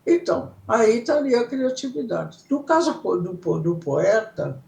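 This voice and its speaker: Slow, gravelly older woman, echoey room. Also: a little high, expressive, a little mellow. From Italy. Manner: unhurried, explains in steps, checks in with "certo?". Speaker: psychoanalyst guest. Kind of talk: reflective explanatory interview talk.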